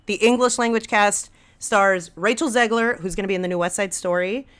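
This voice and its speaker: A woman's voice: mid-range voice, a little fast, a bit bright, clear, resonant tone. Emphatic, enthusiastic woman podcast guest. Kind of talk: casual conversational podcast talk.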